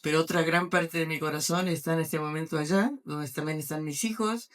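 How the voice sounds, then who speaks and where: An older woman with an Argentine accent, an author answering questions at a book presentation, speaking haltingly with many fillers and restarts. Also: sits low, fairly even intonation. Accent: Argentine Spanish.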